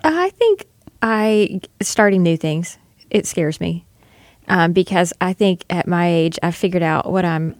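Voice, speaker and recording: A woman's voice: on the low side, expressive, a little slow, no echo, clean studio sound. A woman chatting casually as a guest on a talk show. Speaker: podcast guest. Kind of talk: casual chat.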